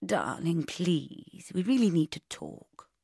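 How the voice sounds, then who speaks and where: A woman's voice: on the low side, very animated, slow, creaky, mellow, slightly rough, no room sound, clean studio sound, full character voice. A woman doing a smarmy man. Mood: pleading. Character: smooth, patronising young British man.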